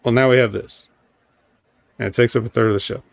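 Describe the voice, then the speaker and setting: A man's voice: mid-range voice, fairly even intonation, brisk, creaky, dry recording, clean studio sound. A man hosting a podcast, recapping a wrestling show in a rambling, sarcastic way with lots of ums. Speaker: podcast host. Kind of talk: casual wrestling recap chat.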